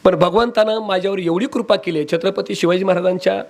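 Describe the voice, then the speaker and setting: A male devotional preacher delivers a storytelling sermon with dramatic, sing-song emphasis. His voice sits high and rises sharply on key words. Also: fairly even intonation, fast, creaky.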